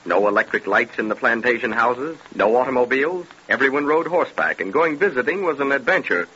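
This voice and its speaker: A man's voice: medium pitch, lively intonation, a little fast, pushed and bright, slightly rough, highs cut off. An actor playing a genial plantation host in a 1930s radio drama, chatty and polished as he tells his story. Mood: reminiscing. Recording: scratchy band-limited 1930s radio recording.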